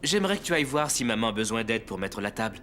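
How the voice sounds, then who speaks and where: A man voicing a calm, caring young father in a dubbed cartoon, patient and reassuring. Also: medium pitch, fast talker, slight background noise.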